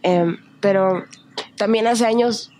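A young woman from Tijuana with a northern Mexican accent, a musician guesting on a podcast, bubbly and quick to laugh. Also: medium pitch, background noise. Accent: northern Mexican Spanish (Tijuana). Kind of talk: casual interview chat.

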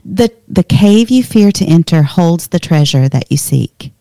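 A woman's voice: lowish voice, expressive, unhurried, warm tone, dry recording. A woman talking casually as a guest on a talk show. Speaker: podcast guest. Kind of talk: casual chat.

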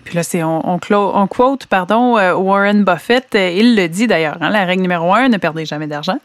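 A woman's voice: fairly low pitch, brisk, dry recording. A woman with a Quebec French accent hosting a podcast in a conversational style. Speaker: podcast host.

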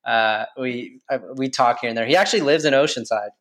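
Chill american guy guesting on a podcast, average pitch, halting casual talk, lots of likes. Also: a bit bright. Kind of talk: casual chat.

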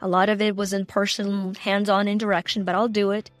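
A woman coach talks on a podcast, earnest and animated. She laughs easily and speaks with feeling. The sound is dry and close, with faint music underneath. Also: mid-range voice, brisk, no room sound. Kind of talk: conversational interview.

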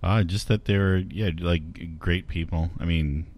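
A man's voice: low-pitched, steady tone, measured pace, darkish tone, no room sound. A man co-hosting a casual chat, talking hesitantly with many fillers.

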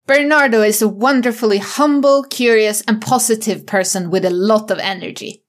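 A woman's voice: fairly high pitch, normal speed. A woman co-hosting a podcast, presenting episode introductions and putting questions to guests. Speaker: podcast co-host.

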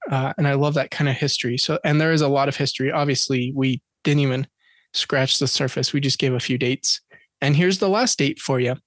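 A podcast co-host with a medium-pitched voice talks a little fast in a casual chat, reading dates and facts aloud and joking along the way. The recording is dry and studio quality.

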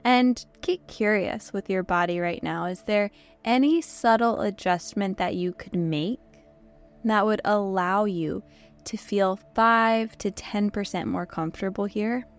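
A woman with a hoarse voice that is nearly gone leads a guided relaxation. She speaks softly and slowly and leaves long pauses between instructions. Faint music plays quietly behind her. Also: mid-range voice. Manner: soft, slow, gentle instructions with pauses. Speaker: podcast host and meditation guide. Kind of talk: guided yoga nidra meditation.

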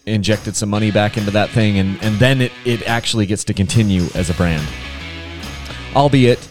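A man's voice: lowish voice, normal speed, over music. A man hosting a casual solo podcast, chatty and enthusiastic, rambling with frequent restarts. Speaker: podcast host.

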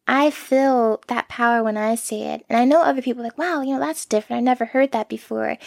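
Quiet young woman musing on her podcast, kinda high voice, lots of vocal fry, earnest. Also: no echo, studio quality. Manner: soft-spoken, earnest and self-reflective. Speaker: podcast host. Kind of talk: reflective solo podcast monologue.

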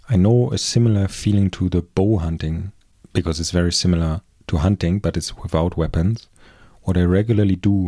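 A man with a German accent hosting a podcast, speaking in a calm, reflective, measured way as he reads and explains. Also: low voice, no room sound, clean studio sound. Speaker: podcast host. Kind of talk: calm reflective podcast talk, reading aloud and commenting.

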